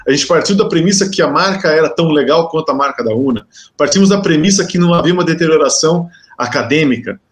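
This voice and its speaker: A man with a Brazilian Portuguese accent, a guest executive explaining a past business mistake in a halting way with many restarts. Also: on the high side, animated. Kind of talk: conversational explanation.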